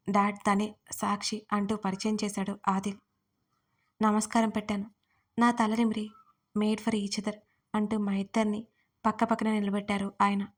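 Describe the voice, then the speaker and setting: A woman narrates an audio story in the first person. Her read is plain and steady, held in a narrow pitch range that stays almost flat. Her voice sits in a middle register for a woman.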